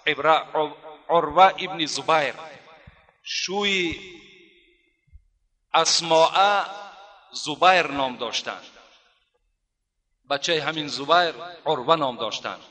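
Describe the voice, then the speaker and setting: A man preaching a storytelling sermon, speaking to his listeners as dear brothers and slowing down to recite Arabic phrases. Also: a little high, sharp tone. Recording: long hall reverb.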